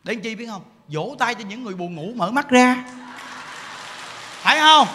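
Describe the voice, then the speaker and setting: A man, a Buddhist monk, giving an animated, joking dharma talk and acting out people's voices. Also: high-pitched, fairly quick, a little hiss or hum. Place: temple hall. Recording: hall reverb with faint ambience.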